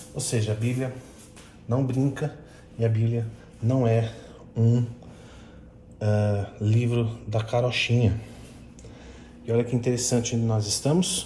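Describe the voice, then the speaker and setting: Audible room echo carries a man's monotone, flat voice as he speaks at a fairly slow pace with long, frequent pauses. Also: medium pitch for a man. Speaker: Bible teacher. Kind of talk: Bible study lesson. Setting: at home late at night. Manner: soft-spoken.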